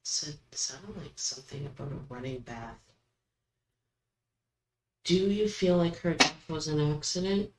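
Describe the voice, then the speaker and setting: A woman hosting a paranormal session, asking questions aloud and commenting casually, with halting pauses between them. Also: low-pitched, animated. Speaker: host of a spirit box session. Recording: roomy echo, background noise.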